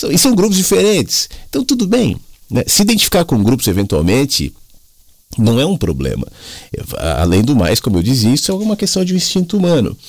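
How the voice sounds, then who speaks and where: A man with a fairly high pitch talks at a fairly quick pace, making very wide pitch swings with vocal fry. His loudness stays very even. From São Paulo, Brazil. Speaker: radio host. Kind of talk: live radio show, talking to listeners. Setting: radio studio.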